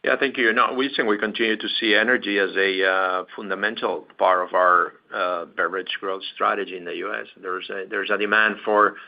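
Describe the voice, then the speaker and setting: Low-voiced, halting businessman. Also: fairly even intonation, creaky. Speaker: company executive answering analyst questions. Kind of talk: earnings call answers. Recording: dull, muffled conference call audio.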